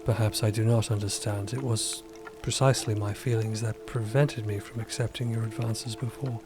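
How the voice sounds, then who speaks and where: A man acts out an undead space explorer in an audio drama, low-voiced and formal. Every line is detached and deadpan, emptied of emotion. Loud music and rain play behind the voice. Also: normal speed, lightly acted. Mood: detached, flat. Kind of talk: dramatic audio fiction acting.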